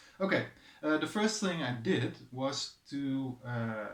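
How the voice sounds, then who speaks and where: A man talks at a very slow pace, his intonation lively throughout. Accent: non-native. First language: not English. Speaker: guitar student, music video maker. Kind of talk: tutorial. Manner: halting, many fillers.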